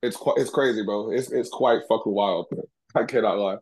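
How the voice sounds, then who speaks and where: A man's voice: fairly low pitch, moderate pace, darkish tone, breathy edge. A man with an African American accent in casual, slangy and profane sports banter, speaking emphatically as a podcast co-host.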